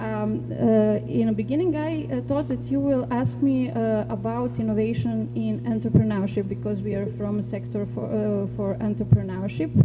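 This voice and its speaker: A woman with a Serbian accent and a very deep, low pitch speaks with hardly any pauses and fairly even intonation, amid noticeable background noise and audible room echo. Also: moderate pace. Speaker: chamber of commerce representative. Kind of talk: conference panel talk. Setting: conference panel in a hotel. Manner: halting, many fillers.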